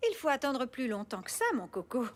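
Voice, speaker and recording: A woman's voice: on the high side, lively intonation, brisk, close to an everyday voice. A woman voicing a patient, caring mother in a French children's cartoon. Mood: patient, soothing. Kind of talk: dubbed children's cartoon acting. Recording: music behind the voice.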